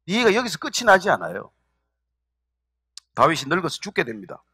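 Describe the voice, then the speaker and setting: A middle-aged male pastor giving a sermon, telling a story with animated quoted speech. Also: on the high side, a little fast, slightly rough, no echo, studio quality.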